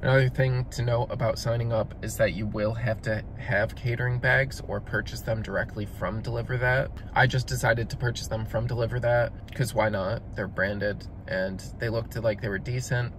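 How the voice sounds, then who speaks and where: A man's voice: mid-range voice, fairly even intonation, moderate pace, hardly any pauses, background noise. A man narrating a voice-over review of a delivery gig, explaining things step by step in a matter-of-fact way. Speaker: delivery driver vlogger.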